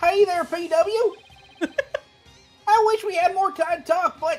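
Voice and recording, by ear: Faint music plays in the background. A put-on character voice, extremely high-pitched, moves at a fairly slow pace.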